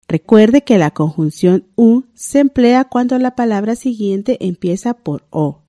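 A woman teaching a language lesson on a broadcast, reading out rules and examples in a clear, deliberate way. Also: mid-range voice, dark tone, no room sound, clean studio sound.

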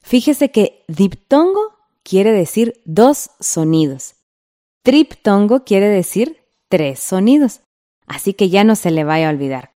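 A woman with a mellow, warm voice leads a scripted radio class. She speaks patiently and stretches out each example word so the learners can follow. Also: medium pitch, very animated. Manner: slow, patient, drawing out example words.

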